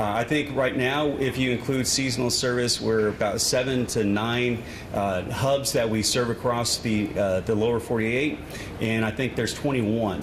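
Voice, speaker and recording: A man speaking as an airport official at a press conference, explaining things in plain words. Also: medium pitch. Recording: noisy event with background ambience.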